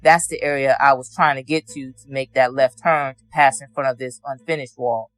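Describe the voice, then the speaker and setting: A man's voice: medium pitch, fairly even intonation, moderate pace, fairly bright tone, dry recording, soft background music. Male witness, courtroom testimony, plain matter-of-fact answers, dry close sound.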